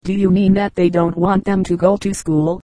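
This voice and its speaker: A woman's voice: fairly low pitch, flat delivery, normal speed, warm tone, no room sound, lightly acted, poor audio. A woman reading aloud, voicing an earnest young man working as a census officer who asks eager questions.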